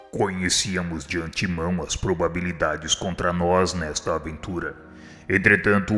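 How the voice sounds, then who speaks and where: A man plays a humble, courageous spirit instructor in a radio drama. His low voice pleads gently and formally, with serene firmness. It carries a long hall reverb over faint music. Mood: calm resolve.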